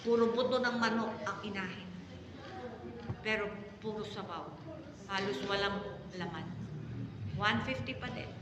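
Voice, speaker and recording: A woman's voice: mid-range voice, crowd noise. Filipino woman pastor preaching in echoey hall. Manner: storytelling with sudden loud exclamations and drawn-out emphasis. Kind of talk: Taglish preaching sermon. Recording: echoey hall reverb, faint background noise.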